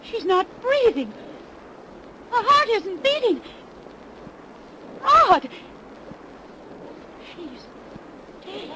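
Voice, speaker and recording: An excitable young wife speaks in a very high, swooping voice. She talks breathlessly and with strong emotion. Hiss from an old 1930s radio recording sits under her. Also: very slow, long pauses, full character voice, low-quality recording. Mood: frightened. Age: young adult. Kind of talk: 1930s radio drama acting.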